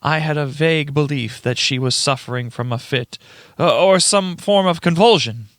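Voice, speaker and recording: A man's voice: a little high, moderate pace, fairly bright tone, dry recording, studio quality, close to an everyday voice. A man playing a shaken, earnest witness in a radio play, speaking dramatically. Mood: horrified, urgent. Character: shaken, indignant young male witness recounting a horror.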